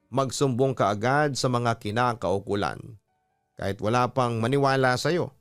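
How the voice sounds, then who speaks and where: A man's voice: mid-range voice, clear, resonant tone, no room sound. Filipino male storyteller, dry close sound. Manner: earnest, exhorting. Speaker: storytelling show host and narrator. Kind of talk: reading a listener's letter and giving earnest advice. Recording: music playing behind a dry voice. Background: background music.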